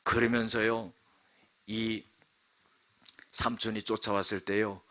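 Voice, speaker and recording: Bright-voiced dramatic male pastor. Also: fairly low pitch, level tone, takes it slowly. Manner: dramatic storytelling, acts out quotes; frequent rhetorical asides to the congregation. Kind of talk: sermon.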